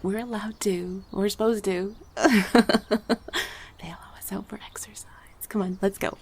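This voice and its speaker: A woman performing an intimate audio roleplay, talking softly and often whispering as if out on a walk with the listener, giggling now and then, her throat slightly scratchy and congested. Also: mid-range voice, steady tone, a little slow, slightly rough. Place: outdoors on a walk.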